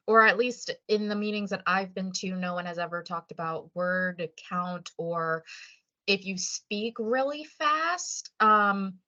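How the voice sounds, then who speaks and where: A woman's voice: mid-range voice, pushed and bright, dull audio. Upbeat woman hosting a video call. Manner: upbeat and encouraging. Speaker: meeting host. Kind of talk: casual online meeting chat.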